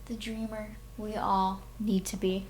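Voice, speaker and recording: Slow-paced woman, expressive live-stream host. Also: medium pitch, a little hiss or hum, poor audio. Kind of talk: expressive audiobook-style reading and casual stream chat.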